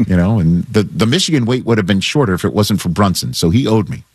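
A man in his fifties hosting a sports talk show, upbeat and chatty with quick asides. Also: lowish voice, lively intonation, husky, dry recording. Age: 50s.

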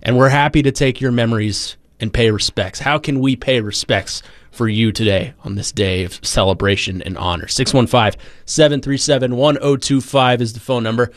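A young man hosting a sports radio talk show, speaking in an earnest, measured way. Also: mid-range voice, steady tone, no room sound. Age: young adult.

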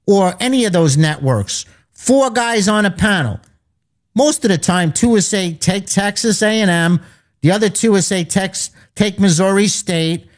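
A man hosting a sports betting radio show, pitching fast and direct to listeners, his voice a little worn. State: slightly losing his voice. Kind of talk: radio talk with sales pitch.

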